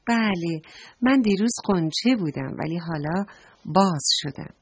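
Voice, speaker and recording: Storybook white flower, sweet and curious, soft and wondering, breathy, as a woman plays her. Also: on the low side, animated.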